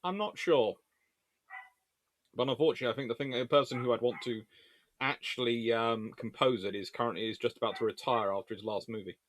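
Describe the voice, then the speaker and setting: A man's voice: mid-range voice, brisk, no echo. A man hosting a casual question-and-answer session, rambling and hesitant as he thinks aloud. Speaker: host answering viewer questions.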